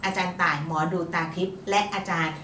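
Upbeat woman co-host, lively chatter, bright tone, roomy echo with a distant mic. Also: lowish voice, a little hiss or hum. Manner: chatty, upbeat, quick to laugh. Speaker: astrologer co-host. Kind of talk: casual chat. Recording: echoey room, voice from off-mic.

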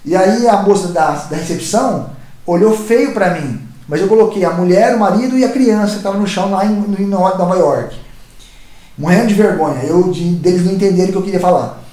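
A man's voice: high-pitched, fairly quick, dark tone. A man with a Brazilian Portuguese accent, hosting his channel and telling stories in a rambling, casual way, often repeating and restarting words. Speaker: YouTube channel host. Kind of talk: casual storytelling monologue. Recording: roomy echoey sound.

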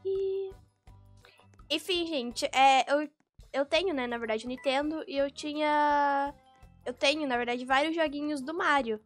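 Young Brazilian woman, gaming YouTuber, high bright voice, excitable chatter over game music. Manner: excitable, repeats words in quick bursts. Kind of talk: casual gameplay commentary.

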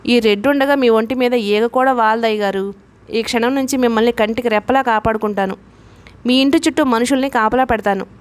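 A woman's voice: fairly high pitch, brisk, close to an everyday voice. A woman voicing a huge, loyal male strongman while reading a novel aloud, making boastful, devoted promises.

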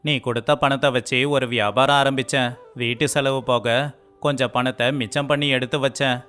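A man's voice: medium pitch, fairly even intonation, fairly quick, fairly bright tone, clear, resonant tone. A man voicing the brothers and cousin in a dubbed village story, arguing and pleading in everyday dialogue. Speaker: voice actor for all male characters.

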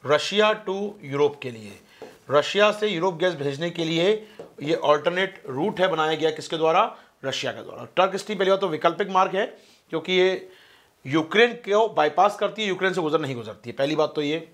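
Man, exam-prep teacher, online lecture, fast talk, higher voice, asks and answers own questions. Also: a bit bright. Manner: fast-talking, keeps calling listeners friends; asks the class questions and answers them himself. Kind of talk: online lecture explaining a map.

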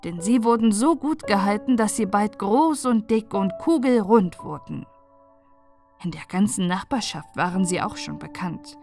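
A woman reading a fairy tale as an audiobook narrator, in an expressive, deliberate storytelling manner. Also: medium pitch, soft background music.

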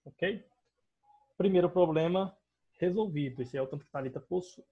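A young man with a Brazilian accent teaches a math lesson over a screen recording. His voice sits a little high and sounds husky. He moves through each step patiently and keeps checking in with his students. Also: normal speed, dark tone, highs cut off. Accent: Brazilian Portuguese. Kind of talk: online math class explaining on a digital board.

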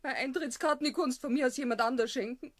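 An actress playing a nagging, indignant housewife in an audio play, with a scolding, plaintive manner and a Bavarian accent. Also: female voice, sits high, fast, dry recording, clean studio sound.

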